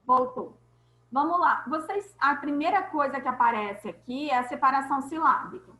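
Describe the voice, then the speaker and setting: A woman teacher leads an online class in a high, bright voice. She explains each point slowly and checks that her students follow. The sound is echoey, as if in a bare room.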